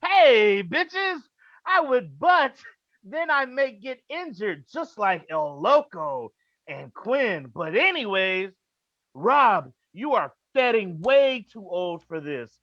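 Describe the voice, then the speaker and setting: A man's voice: high voice, big pitch swings, slow pace, fairly bright tone, no room sound, full character voice. A man playing a cocky, boastful wrestling prince who taunts through a theatrical promo, in lo-fi audio. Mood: taunting.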